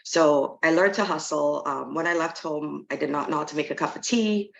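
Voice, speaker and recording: A woman's voice: deep voice, moderate pace, gravelly, muffled recording, a little hiss or hum. A woman in middle age from Trinidad, speaking frankly and conversationally as an interview guest. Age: middle-aged. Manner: frank, plainspoken. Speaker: interview guest, real estate agent.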